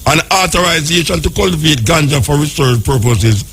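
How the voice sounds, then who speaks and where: A Jamaican radio host reading a legal text aloud and breaking off into joking patois comments on it. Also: male voice, fairly high pitch, animated, a little fast, fairly bright tone, a little hiss or hum.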